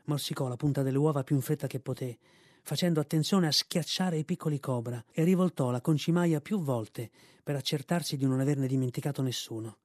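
A man narrating a storybook in a measured, expressive way. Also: medium pitch, dry recording, studio quality. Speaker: reader. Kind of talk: scripted audiobook narration.

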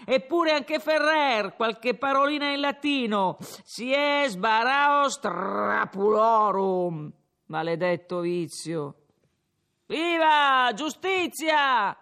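A man voicing a drunk young peasant who rambles and boasts loudly in a tavern, his speech slurred. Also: very high-pitched, pitched above the performer's own voice, full character voice.

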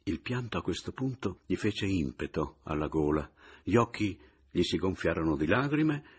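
A man narrating a classic novel as an audiobook, with a low, husky voice. He reads in a measured, reflective way. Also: animated. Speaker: audiobook reader.

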